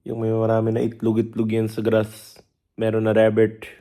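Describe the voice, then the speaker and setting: A man's voice: lowish voice, completely flat delivery, moderate pace, dark tone. A young man hosting a casual home vlog in a playful, teasing way, slipping English into his talk. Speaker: vlogger host.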